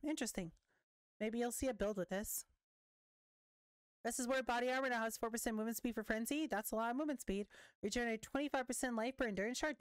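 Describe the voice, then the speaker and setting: A young woman giving casual commentary while reading patch notes, chatty and quick to react, swearing now and then, her voice wearing thin. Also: fairly high pitch, clear, resonant tone, dry recording, clean studio sound. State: losing her voice. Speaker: gaming content creator.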